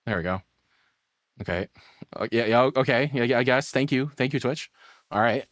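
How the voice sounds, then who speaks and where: A man's voice: mid-range voice, normal speed, a bit bright, no room sound. Casual American male streamer, rambling and self-interrupting, recorded close and dry with a mid-range voice. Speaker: streamer reacting to a video; voice actor. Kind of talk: casual livestream commentary.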